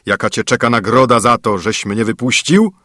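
A man voicing a huge, boastful male spirit in a storybook reading, with a husky, booming, menacing delivery. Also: normal speed, bright, forceful tone, dry recording, clean studio sound.

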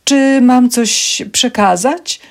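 A woman's voice: mid-range voice, moderate pace, vocal fry, a little mellow. A woman reading a novel aloud, voicing a cheerful, chatty young receptionist in an office. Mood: eager.

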